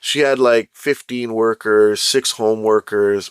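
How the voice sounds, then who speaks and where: A man with a Canadian accent speaks in an ordinary speaking voice at a medium pitch and a fairly slow pace. The very clean recording has a silent background and a dry, close sound with no echo. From Canada. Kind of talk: casual podcast talk to camera. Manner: casual, conversational.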